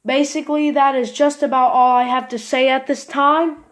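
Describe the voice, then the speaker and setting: A woman playing a solemn, prayerful American president addressing a nation under attack, halting and repetitive. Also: sits high, little pitch movement, close to an everyday voice. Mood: grave, pleading.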